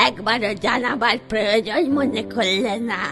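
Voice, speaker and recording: A woman's voice: fairly high pitch, normal speed, over music, close to an everyday voice. A woman voicing an aggrieved old opium user, hurt and complaining reproachfully. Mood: hurt reproach.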